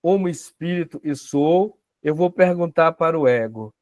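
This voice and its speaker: Brazilian male teacher, slightly high voice, dry close sound, chatty, asks the room questions. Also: lively intonation, normal speed, a little mellow, no echo, highs cut off. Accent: Brazilian Portuguese. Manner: conversational, tag questions, acts out dialogues. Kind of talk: spiritual self-knowledge class.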